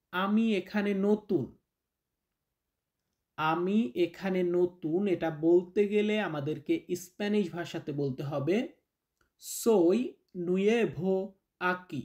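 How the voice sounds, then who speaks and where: A man from Bangladesh, a native Bengali speaker, teaches beginners at an unhurried, drawn-out pace. He says each phrase twice and then breaks it down word by word. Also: sits high, a little mellow. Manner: repeats each phrase slowly, then explains it. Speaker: language teacher. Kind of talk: slow spoken language lesson.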